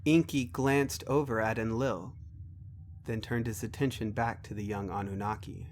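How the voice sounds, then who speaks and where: A man's voice: fairly low pitch, fairly even intonation, normal speed, a little hiss or hum. A man narrating a scripted dramatic story.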